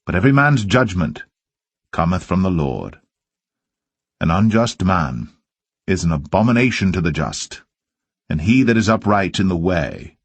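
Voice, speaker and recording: A man giving a solemn, measured reading of old-fashioned Bible verse as a scripture reader. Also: low-pitched, slightly rough, no echo. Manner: measured, deliberate phrasing.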